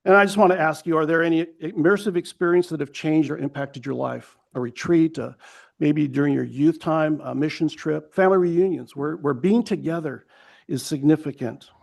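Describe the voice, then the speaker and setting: A man's voice: on the high side, normal speed, gravelly. A man in his fifties from Hawaii, a pastor giving an earnest public comment at a county hearing, often restarting phrases and telling a short story along the way. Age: 50s.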